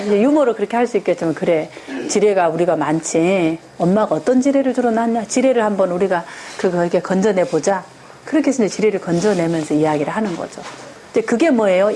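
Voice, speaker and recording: A woman teaching a parenting class, lecturing to a room of parents and asking them rhetorical questions. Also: medium pitch. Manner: animated, asks the audience rhetorical questions. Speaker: parenting education instructor.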